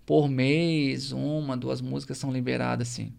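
A man, a zumba instructor guest, telling stories in a lively way and acting out dialogue. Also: medium pitch, normal speed, creaky. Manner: lively, acts out quoted dialogue. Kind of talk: animated storytelling in conversation.

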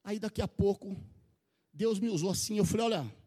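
A man's voice: high voice, a little fast, dark tone, husky. A middle-aged man gives a testimony in church, telling a story with animation and often turning to address the congregation. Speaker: church member giving testimony.

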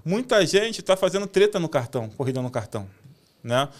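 Male, Rio accent, high voice, rapid delivery, tongue-tied slushy articulation, casual slangy storytelling. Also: big pitch swings. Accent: Rio de Janeiro Portuguese. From Rio de Janeiro, Brazil. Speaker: ride-hailing driver, guest.

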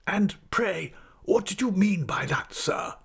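A man's voice: high-pitched, very animated, unhurried, vocal fry, breathy edge, voice pushed up, full character voice. A man voicing an irascible, pompous school principal in an audiobook, full of sarcastic politeness and whispery menace. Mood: angry. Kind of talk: audiobook character acting.

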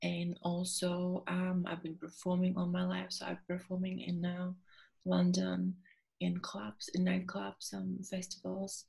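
Young Czech-accented woman, gravelly and flat. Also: lowish voice. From Czech Republic. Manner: quick, chatty, many fillers like "um" and "like". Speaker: guest, author and performer. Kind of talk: interview conversation.

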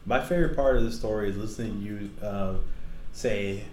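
A man's voice: fairly low pitch, brisk, a little mellow. A man co-hosting a casual podcast, telling stories and teasing his friend with laughter. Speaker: podcast co-host. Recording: echoey room with faint noise.

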